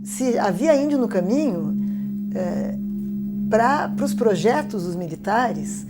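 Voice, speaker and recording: A woman's voice: medium pitch, lively intonation, slow pace, loud music behind the voice. A Brazilian woman speaking as an expert in an interview, explaining and checking that the listener follows. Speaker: expert commentator.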